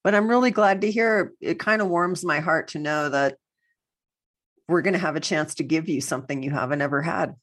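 Low-voiced woman hosting a podcast. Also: brisk. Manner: warm, encouraging interviewer. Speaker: podcast host. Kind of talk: casual podcast conversation.

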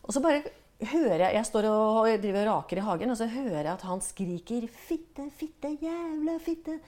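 A middle-aged woman hosts a relaxed podcast conversation in a mid-range voice. She tells stories expressively, with lively shifts as she recounts events. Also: medium pitch. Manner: expressive anecdotal storyteller, acts out quotes. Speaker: podcast host.

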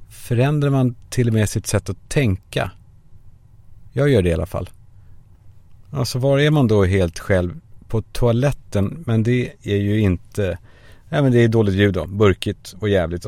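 A young man talks alone from inside a parked car, spinning a self-mocking, foul-mouthed comic monologue. His voice is gravelly and mellow, and the car keeps the sound close and dry. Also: on the low side, dry recording. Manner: self-mocking, swearing, acts out voices in quotes. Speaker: podcast host.

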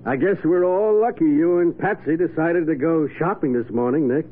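An American actor playing a gruff, good-humored police sergeant with informal, folksy talk in a 1940s radio drama. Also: male voice, fairly high pitch, normal speed, close to an everyday voice. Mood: jovial. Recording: tinny, hissy 1940s radio recording.

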